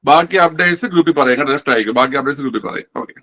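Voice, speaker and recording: A male teacher runs an online quiz class for exam aspirants. His voice is bright and sits a little high, and he repeats every answer, often answering his own questions. He talks in a casual classroom manner. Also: racing.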